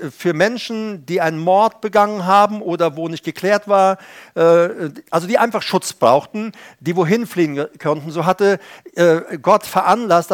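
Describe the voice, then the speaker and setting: Earnest high-voiced preacher. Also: male voice. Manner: earnest, emphatic, acts out voices of people in stories. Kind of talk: sermon.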